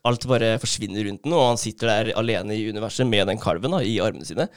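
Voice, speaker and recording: A man retelling a story in casual podcast chat, lively and full of fillers and laughs. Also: lowish voice, smooth, dry recording, clean studio sound. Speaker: podcast co-host.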